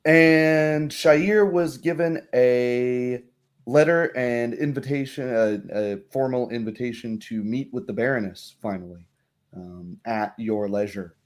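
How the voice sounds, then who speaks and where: Male tabletop host, weary, unhurried and halting, casual recap style. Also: mid-range voice. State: tired. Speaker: game master and host. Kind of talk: casual livestream chat and recap.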